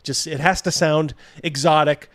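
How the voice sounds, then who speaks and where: Blunt man with a higher-pitched, dry-recorded voice. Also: steady tone, moderate pace, fairly bright tone, no echo. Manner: blunt, mocking, swears freely. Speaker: host of a livestream reacting to a video. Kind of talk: casual live commentary, reading viewer comments.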